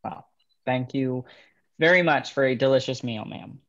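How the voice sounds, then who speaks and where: A man's voice: medium pitch, moderate pace, a bit bright, lo-fi sound, natural voice. A man reading a polite, hesitant young male newcomer at a screenplay table read.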